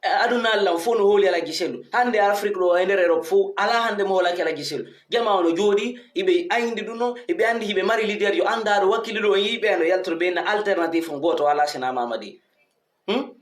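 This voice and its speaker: High-pitched man in an echoey room. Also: quick pace. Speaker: online commentator addressing followers. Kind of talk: informal commentary monologue to followers.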